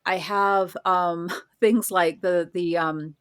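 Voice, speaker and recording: A woman's voice: fairly low pitch, fairly even intonation, takes it slowly. A woman talking casually as an interview guest, explaining things informally with examples. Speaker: guest author.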